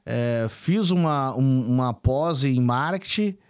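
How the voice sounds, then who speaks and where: A man's voice: mid-range voice, expressive, takes it slowly, smooth. A man in his forties from southern Brazil, with a faint gaúcho accent mixed with São Paulo traces, speaking as a guest in a casual interview with many restarts and tag questions. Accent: mixed Brazilian Portuguese, gaúcho with São Paulo traces. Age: 40s. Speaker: company CEO, podcast guest.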